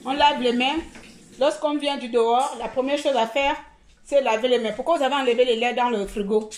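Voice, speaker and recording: A woman from Gabon talks straight into her phone during a live stream. She rambles and repeats herself, lecturing her viewers and then drifting into casual chat. Her voice sits a little high. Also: fairly even intonation, fairly quick, darkish tone, a little hiss or hum. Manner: talkative, scolding and repetitive, mixing sermon and chat.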